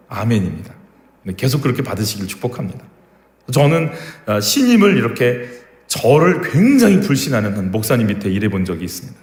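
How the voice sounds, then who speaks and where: A man preaching a sermon as pastor, talking in a conversational way and asking the congregation questions. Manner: acts out quoted voices with sharp drops in pitch and volume. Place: church sanctuary, echoey. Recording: echoey hall with long reverb.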